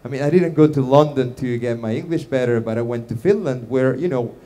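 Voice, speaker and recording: A man's voice: medium pitch, a little fast, mellow. A man in his thirties from Italy with an Italian accent, giving a casual startup talk full of fillers and restarts. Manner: chatty, self-deprecating, many fillers and restarts.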